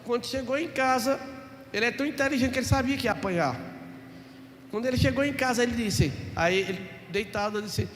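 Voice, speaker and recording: A man's voice: very high-pitched, fast, fairly bright tone. A man, a pastor preaching a sermon and telling stories with acted-out dialogue and jokes. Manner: storytelling, acts out dialogue, jokes. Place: church. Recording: echoey church hall, faint noise.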